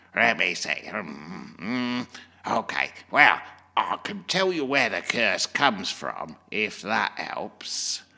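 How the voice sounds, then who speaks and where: A man performs a cartoonish character voice at a medium pitch. He speaks at a very slow pace. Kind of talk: comic children's puppet acting. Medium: puppet show. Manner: chatty, cheerful, salesy.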